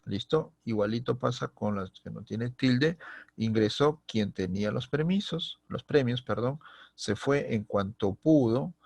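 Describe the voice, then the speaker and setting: A man's voice: medium pitch, animated, measured pace, gravelly, a little mellow, no echo. A man teaching a recorded secondary-school grammar lesson with a Peruvian Spanish accent, explaining step by step and checking in with a constant "listo?".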